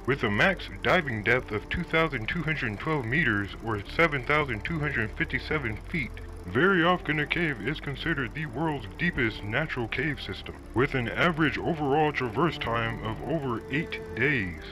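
A man narrating a scripted documentary in a measured, somber storytelling manner. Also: mid-range voice, expressive, bright, forceful tone, rough recording. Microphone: voice-over. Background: music underneath.

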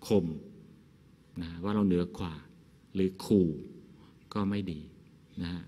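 A Buddhist monk from Thailand speaks in a lowish, easy voice, giving a conversational dhamma talk. He asks his listeners rhetorical questions and laughs softly now and then. A long reverb trails behind his words. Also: flat delivery, slow. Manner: frequent soft laughs.

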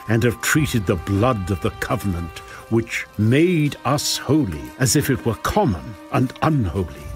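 Male narrator, lowish voice, very animated intonation, earnest dramatic scripture reading, emphatic.

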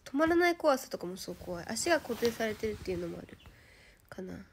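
A young woman with a Kansai accent, chatting casually with viewers on a livestream, giggly and quick to act out past exclamations. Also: fairly high pitch, very animated, slight background noise. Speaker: idol streamer.

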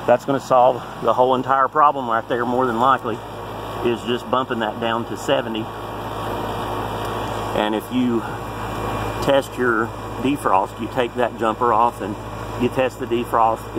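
A man's voice: medium pitch, little pitch movement, moderate pace, background noise. A man, an HVAC technician, walks through a repair tutorial outdoors by a heat pump in a plain-spoken, practical way, filmed on a phone held close.

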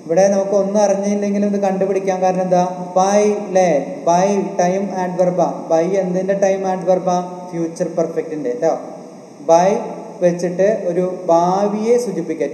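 Male exam coach with a Malayali accent, slightly high voice, drilling rules by repetition; roomy reverb. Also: level tone, normal speed, dark tone. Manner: repetitive, asks questions and answers them himself. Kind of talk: online grammar lesson. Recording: echoey room with faint noise.

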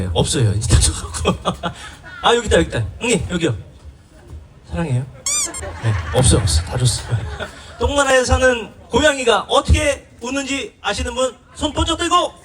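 A man performing as a pumba singer and emcee on an outdoor festival stage, bantering loudly and playfully with the audience. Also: sits high, sing-song, normal speed. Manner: loud playful banter, teases the audience, runs quizzes. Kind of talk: live stage singing and crowd banter. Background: live music and crowd.

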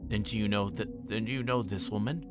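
An older male detective as a man reads him for a game questions in a low voice. He is courteous yet insistent, always leading toward an answer. Music sits clearly behind the voice. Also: steady tone, fairly quick, lightly acted. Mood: probing.

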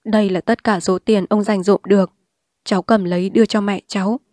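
A woman's voice: medium pitch, steady tone, dry recording, studio quality, natural voice. Woman doing a remorseful, pleading old man. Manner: soft, slow and pleading.

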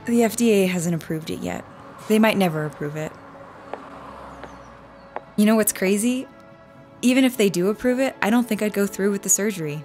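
An actress playing a thoughtful, self-assured blind woman in radio drama dialogue, speaking in a measured way. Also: mid-range voice, darkish tone, soft background music, lightly acted. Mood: reflective.

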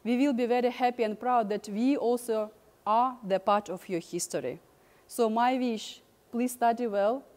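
A middle-aged woman speaks to students in an encouraging, reassuring way. Her voice is mellow and a little high, and it rings in a big reverberant hall. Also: moderate pace. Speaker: university staff member addressing students. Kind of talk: informal speech to students. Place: large library hall full of students. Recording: long reverb in large room.

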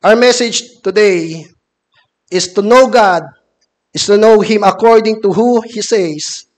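A Filipino man in his thirties preaching a measured sermon from a wooden pulpit in a church hall, reading scripture aloud. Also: high voice. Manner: measured, reads scripture from a laptop. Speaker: deacon preaching. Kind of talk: sermon mixing Filipino and English.

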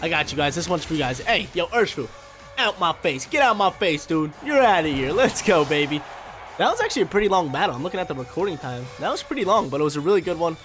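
Young male gaming commentator, congested and nasal, rapid and excitable, light game music underneath. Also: a little high. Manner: hyped, slangy, talks to himself about moves. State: stuffy, nasal from allergies. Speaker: gaming YouTuber. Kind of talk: live commentary over a video game battle. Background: faint game music.

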